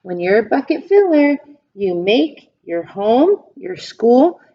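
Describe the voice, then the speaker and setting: A woman reads aloud to young children like a teacher, taking her time over simple phrases. Her pitch moves up and down in a lively, expressive way as she speaks to her listeners. The recording is a little dull and lo-fi. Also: slow pace. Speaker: teacher reading a picture book aloud. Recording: dull, lo-fi sound.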